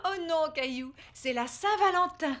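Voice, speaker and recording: A woman's voice: high voice, normal speed, a bit bright. A woman playing a cheerful, tender mother of small children in a children's cartoon. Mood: delighted.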